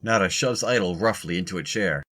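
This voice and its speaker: A very low-pitched narrator for an audio drama. The delivery is scripted narration, describing the characters' actions as they happen. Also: a little fast, fairly bright tone.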